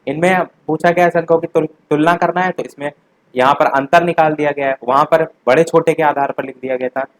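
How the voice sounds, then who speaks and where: A young male teacher with a slightly high voice works through exam questions one by one. He talks straight to his students and goes back over the key points to make them stick. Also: fairly even intonation, a little fast, poor audio. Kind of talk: exam revision lesson.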